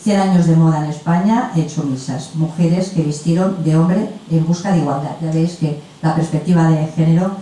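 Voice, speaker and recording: Echoey, low-voiced woman moderating. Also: steady tone, normal speed, few pauses, warm tone. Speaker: moderator of a literary festival panel. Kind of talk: informal spoken introductions of panel guests. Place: event room at a festival. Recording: echoey room, distant mic, faint noise.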